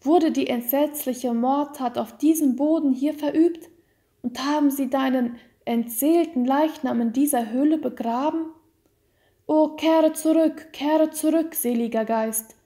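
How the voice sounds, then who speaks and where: A woman's voice: high voice, steady tone, measured pace, warm tone. A woman voicing an anguished, remorseful count in a storybook, in an impassioned, pleading, exclamatory manner. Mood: horrified, pleading. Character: anguished, guilt-stricken count, adult man, horrified and remorseful. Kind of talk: dramatic storybook reading.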